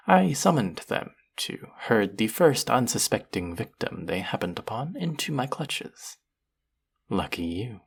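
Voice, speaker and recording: A performer acts out a sadistic fantasy sorcerer in a roleplay audio drama. The voice is low and husky, drawling slowly through teasing, mock-sweet baby talk. It gloats and coos as if over a helpless little pet. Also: heavily acted. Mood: smug menace.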